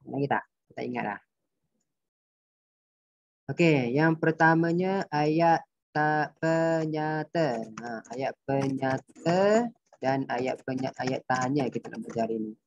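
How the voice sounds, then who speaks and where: A man's voice: medium pitch, takes it slowly, pauses often, a little mellow, slight background noise. A male primary school teacher with a Malaysian Malay accent, patiently explaining a grammar lesson and quizzing his pupils. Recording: dull dry lo-fi recording.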